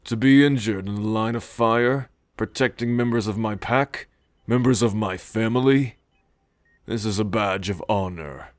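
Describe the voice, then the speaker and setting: A man acting as a proud, stoic werewolf pack leader in an audio roleplay, speaking with deliberate, calm authority. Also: on the low side, dry recording, natural voice. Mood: proud, resolute. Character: proud, stoic male werewolf pack alpha, newly injured. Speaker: voice actor. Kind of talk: audio roleplay drama, spoken to the listener.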